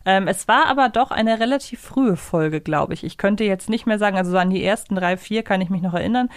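A woman's voice: medium pitch, fairly quick, no room sound, clean studio sound. A woman in her thirties hosting a podcast in a casual, chatty style. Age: 30s. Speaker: podcast host. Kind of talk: casual chat.

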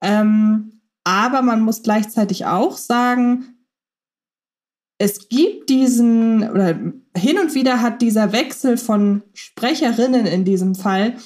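A woman's voice: on the high side, slow, a little mellow. A woman co-hosting a podcast, talking through her thoughts in casual analytical chat, with frequent filler sounds and hesitations. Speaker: podcast co-host.

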